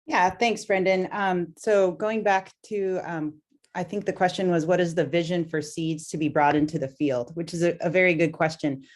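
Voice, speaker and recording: A woman answering audience questions as a panelist, speaking in a measured way with frequent ums. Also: lowish voice, fairly even intonation.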